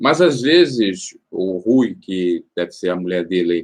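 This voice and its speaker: His pitch swinging very widely, a man speaks. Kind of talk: news commentary. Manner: halting, self-correcting.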